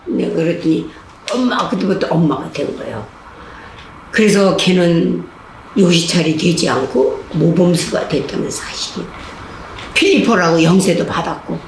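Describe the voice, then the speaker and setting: An older Catholic nun gives a lively storytelling lecture as a laughter-therapy talk, animatedly acting out the voices of inmates and guards with big jumps in pitch. The recording comes from an echoey hall with faint background noise.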